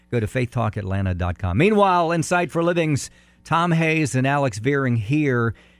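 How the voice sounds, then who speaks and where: Very wide pitch swings mark this man's fairly high voice at a moderate pace. The recording is very clean with a silent background. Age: 50s. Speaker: radio host. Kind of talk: casual radio interview. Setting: studio.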